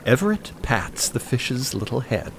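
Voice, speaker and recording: A man narrating an audio drama in a scripted, literary and expressive storytelling style. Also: medium pitch, unhurried, gravelly, background noise.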